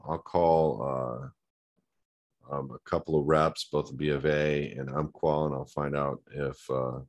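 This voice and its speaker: A man hosting a show, reading out a viewer's question and then answering it in loose, casual talk with many fillers. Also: rumbling low.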